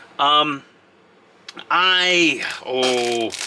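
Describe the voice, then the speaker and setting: Lively intonation carries this American accent. Noticeable background noise sits behind it. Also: man. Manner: casual, rambling, many filler words.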